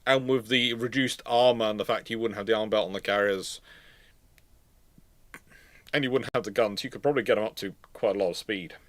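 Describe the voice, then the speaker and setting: A man's voice: fairly low pitch, fairly even intonation, fairly quick, pauses often. A man hosting a live stream, rambling casually as he answers viewers' questions. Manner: rambling, tangent-prone. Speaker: host of a naval history live stream.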